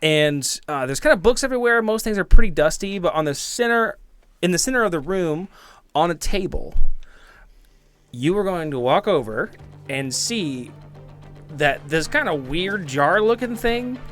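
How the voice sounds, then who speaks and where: A man with a fairly high voice acts as game master on a tabletop podcast. He improvises his narration, often hedging and starting over as he builds the scene. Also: expressive, fairly bright tone, faint music behind. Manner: halting, hedging delivery.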